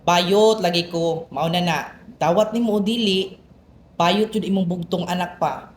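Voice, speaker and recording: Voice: mid-range voice, measured pace, background noise, close to an everyday voice. A performer playing a sullen, defiant young gay son in an amateur radio drama, snappy and emotional. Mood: defensive. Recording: echoey room.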